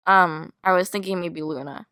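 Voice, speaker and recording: A woman voicing a guarded, defiant teenage schoolgirl with a casual, slightly sulky manner in an animated roleplay. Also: lowish voice, moderate pace, clean tone, no room sound, studio quality. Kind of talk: hobby animated roleplay voice acting.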